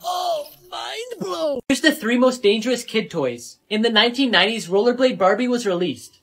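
A man's voice: high voice, fairly bright tone. A young man presenting short scripted fact lists as a narrator, with emphatic storytelling. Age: young adult. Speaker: short-video comedian and presenter.

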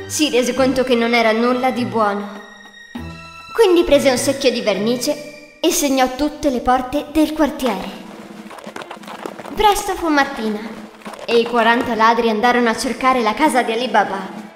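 A woman's voice: on the high side, a little slow. A woman reading a scripted fairy tale as the narrator. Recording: echoey hall reverb, music behind. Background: music.

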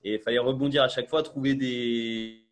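Young guy on a video call, earphone mic, lots of ums and restarts, average pitch. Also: steady tone, fairly quick. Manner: chatty, full of fillers and restarts. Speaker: guest. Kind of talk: casual video-call interview. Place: small bright room indoors.

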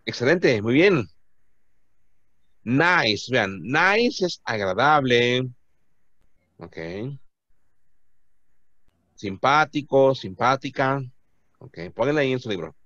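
Male English teacher drilling beginner students, animated delivery, patient repetition, dull dry audio. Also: mid-range voice, dry recording. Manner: patient, repeats words slowly for pronunciation. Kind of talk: classroom teaching, mixing Spanish and English. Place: classroom.

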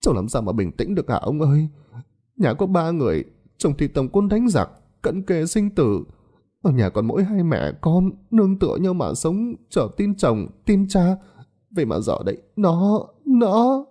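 A man's voice: high voice, sing-song, brisk, dark tone, pitched above the performer's own voice. A man voicing a grieving young mother who wails and pleads in tears. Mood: tearful pleading. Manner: wailing, pleading, sobbing.

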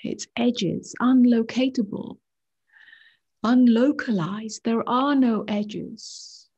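Woman, guided meditation, soft near-whisper, dark mellow tone, very slow short phrases, muffled sound. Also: a little high, breathy edge. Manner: unhurried short phrases, hushed, calming. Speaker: meditation teacher. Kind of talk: guided meditation, slow and gentle with long pauses.

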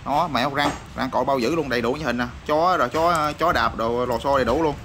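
A man showing off used motorbike parts in a rapid, repetitive sales patter full of fillers. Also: mid-range voice. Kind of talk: casual product showcase sales patter. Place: parts shop or workshop. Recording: noisy backdrop with passing vehicles.

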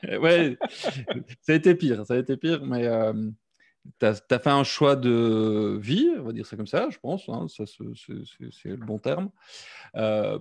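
A man's voice: lowish voice, vocal fry, a little mellow, dry recording. A man hosting a live conversation, rambling with many fillers and repeated words. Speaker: host.

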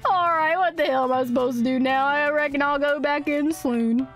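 High-voiced woman in a hammed-up country drawl. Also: fairly even intonation, fairly quick. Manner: exaggerated put-on country drawl, folksy and goofy; giggly, exclaiming. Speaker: streamer playing a game. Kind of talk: in-character let's play commentary.

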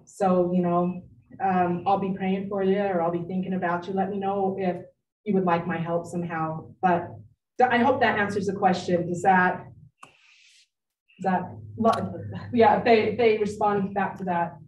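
A middle-aged woman giving a live workshop talk to parents, animated and lively, acting out friends she quotes. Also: medium pitch, moderate pace, a little hiss or hum. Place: meeting room. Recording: echoey room, distant mic.

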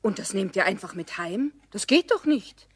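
A woman's voice: medium pitch, lively intonation, normal speed, breathy edge. A woman playing a strict, no-nonsense mother who scolds sternly in a children's radio play.

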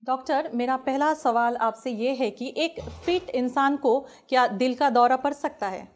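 Young woman, slightly high voice, polished studio anchor asking formal questions. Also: unhurried. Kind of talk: scripted show hosting. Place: TV studio set.

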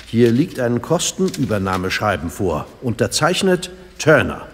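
An actor playing a stern, dutiful police detective in an audio drama, gruff and businesslike. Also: male voice, medium pitch, big pitch swings, unhurried. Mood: intent, businesslike. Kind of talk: German audio drama acting. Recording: reverberant sound with background noise.

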